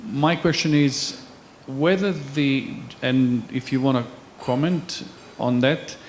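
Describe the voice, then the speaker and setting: A man from Bosnia, asking a panel a long, measured question from the floor. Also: mid-range voice, steady tone, darkish tone, slight background noise. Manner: measured, searching for words. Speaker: audience member asking a question.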